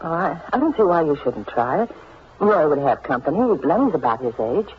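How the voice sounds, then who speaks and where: An actress playing a gentle, sensible, motherly sweetheart in a radio soap, soothing and a little halting, full of endearments. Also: deep voice, sing-song. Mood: gentle, reassuring. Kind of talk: 1940s radio soap acting. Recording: muffled, noisy old radio recording.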